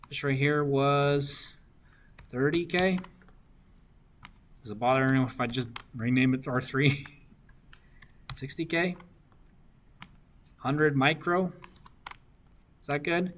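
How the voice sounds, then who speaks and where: Slow-paced man checking in with students. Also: a little high, a bit bright, a little hiss or hum. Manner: keeps checking in with the class, saying "right?" often. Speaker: engineering discussion instructor. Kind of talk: teaching while working circuit problems.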